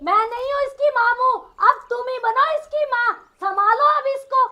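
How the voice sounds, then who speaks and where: A woman's voice: very high-pitched, moderate pace, sharp tone, highs cut off. A woman playing a scolding old mother-in-law. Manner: scolding, taunting.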